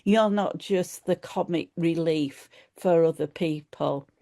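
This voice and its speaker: A middle-aged woman with a broad Yorkshire accent delivers a lecture at an unhurried, slow pace. She talks in a loose, chatty way, with many ums and restarted phrases. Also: fairly low pitch, dark tone. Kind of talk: academic lecture.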